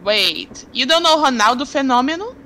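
A woman's voice: high-pitched, lively intonation, moderate pace, bright, forceful tone, a little hiss or hum. A young woman from Brazil, tutoring on a headset over a video call and asking patient, curious questions. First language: Portuguese. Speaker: language tutor. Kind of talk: online tutoring session.

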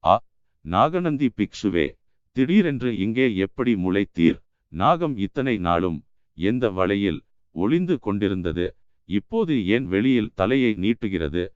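A man's voice: lowish voice, big pitch swings, a little slow, darkish tone, clean tone, no echo. A man voicing an arrogant, jealous army general who speaks with scorn and curt orders, in a dry, dull-sounding recording. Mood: scornful.

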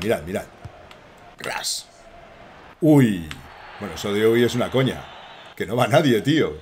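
A man with a Spain Spanish accent streaming live gameplay commentary, joking and excitable with swearing banter. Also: fairly low pitch, slight background noise. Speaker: gaming streamer.

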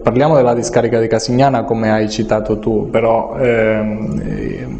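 In an echoey room with a long reverb tail, a man talks in a mellow, monotone voice. He takes part in a radio discussion, halting and repeating words as he builds his point. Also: lowish voice, muffled recording. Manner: halting, measured, repeats himself. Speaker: studio discussion participant.

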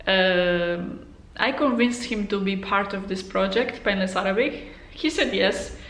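A woman's voice: medium pitch, measured pace, fairly bright tone, slight background noise. A woman in her thirties from Poland, a native Polish speaker, chatting to camera as a vlog host with lots of fillers. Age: 30s. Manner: friendly, chatty, many fillers. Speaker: channel host. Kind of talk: casual to-camera vlog talk. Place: room at home. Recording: roomy echo.

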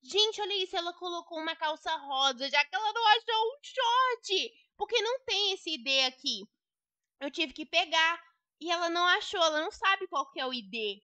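A woman's voice: extremely high pitch, animated, moderate pace, pushed and bright, no echo. A young woman with a Brazilian Portuguese accent giving gossipy, indignant role-play commentary on a game to her viewers. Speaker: Roblox gamer.

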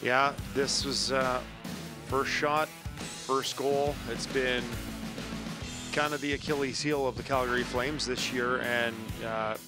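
A man in his forties giving hockey analysis from a TV studio desk with a handheld mic. He talks in a relaxed way and explains plays with hockey terms. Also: medium pitch, slow, music in the background. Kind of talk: sports post-game analysis.

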